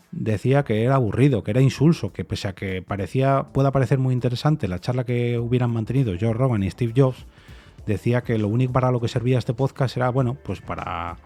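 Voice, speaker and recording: A man with a dark, relaxed voice thinks out loud on his podcast, circling his point with restarts and soft repeated no's. A faint music bed runs quietly under him. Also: medium pitch. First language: Spanish. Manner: thoughtful, hesitant, many restarts and repeated "no". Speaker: podcast host. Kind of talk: reflective solo opinion monologue.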